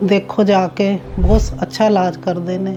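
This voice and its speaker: A woman's monotone, flat delivery at medium pitch, with music in the background. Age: 50s. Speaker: patient. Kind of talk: patient testimonial to camera. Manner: casual, conversational.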